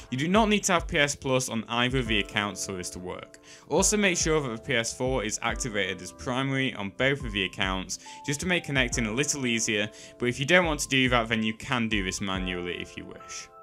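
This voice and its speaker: Man narrating a tutorial, bright and lively. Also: medium pitch. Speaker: tutorial host. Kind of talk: scripted instructional narration. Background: background music.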